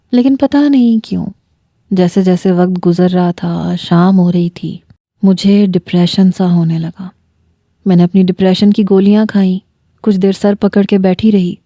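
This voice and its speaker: A woman storyteller reading a first-person romance story in a measured, unhurried, intimate way. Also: mid-range voice, warm tone, dry recording, muffled recording.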